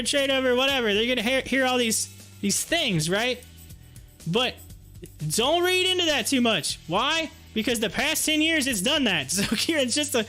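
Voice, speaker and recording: A man's voice: very high-pitched, bright, forceful tone. A man hosting a livestream with casual, chatty commentary, talking informally and directly to his viewers. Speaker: livestream host. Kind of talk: casual live stock-chart commentary.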